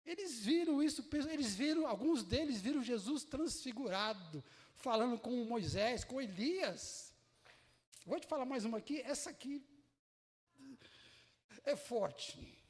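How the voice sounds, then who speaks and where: A man with a Brazilian Portuguese accent preaching a sermon in lively, colloquial storytelling that acts out the scenes. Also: very high voice, a little slow, pauses often. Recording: echoey hall reverb.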